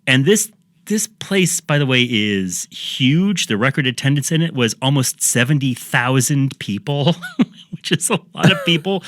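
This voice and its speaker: Bright-voiced jokey man hosting. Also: mid-range voice, no room sound, clean studio sound. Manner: jokey storyteller, recapping history with asides. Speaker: podcast host. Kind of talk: casual chat.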